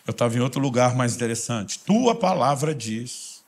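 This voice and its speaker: A man with a Brazilian Portuguese accent, preaching a storytelling sermon that swings between loud bursts and hushed intensity. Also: medium pitch, lively intonation, moderate pace, vocal fry. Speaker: pastor.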